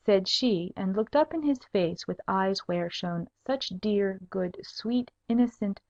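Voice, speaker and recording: A woman's voice: mid-range voice, a little mellow. Woman narrator, slightly dull recording. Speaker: audiobook narrator. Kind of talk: scripted narration of a humorous tale.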